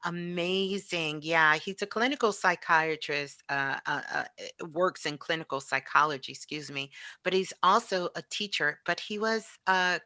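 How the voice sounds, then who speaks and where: Low-voiced woman, bright and reflective. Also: no echo, studio quality. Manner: halting, repeats words as she reflects. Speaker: radio show host. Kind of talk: casual reminiscing chat.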